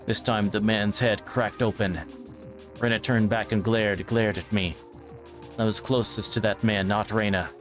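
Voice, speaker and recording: A man's voice: fairly low pitch, fairly even intonation, a little slow. A man reading visual novel narration aloud, now and then stumbling over the text and repeating phrases. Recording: music behind the voice. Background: music.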